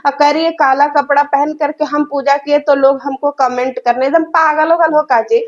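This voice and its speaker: A woman's voice: high voice, steady tone, normal speed, muffled recording. A woman roasting others in a reaction vlog, mocking and scolding, with a sore throat. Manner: mocking, scolding, addresses viewers as guys. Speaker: reaction vlogger.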